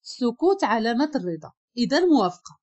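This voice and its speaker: A woman voicing a quiet, reserved young male boss with a Moroccan accent, speaking briefly and calmly. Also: extremely high pitch, fast talker, breathy edge, heavily acted. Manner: brief and calm.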